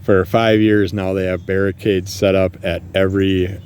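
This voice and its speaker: Angry, low-voiced man ranting outdoors. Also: little pitch movement, normal speed, a little mellow, clean tone. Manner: angry, blunt and profane. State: living with multiple sclerosis. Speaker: podcast host. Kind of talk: casual solo rant. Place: outdoors at night. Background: distant fireworks and passing vehicles.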